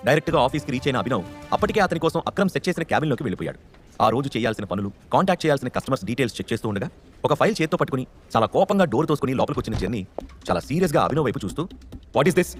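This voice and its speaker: Fast animated male storyteller. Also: faint music behind. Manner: fast, animated reading that lifts pitch for quoted characters. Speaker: narrator. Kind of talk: scripted story narration with character dialogue.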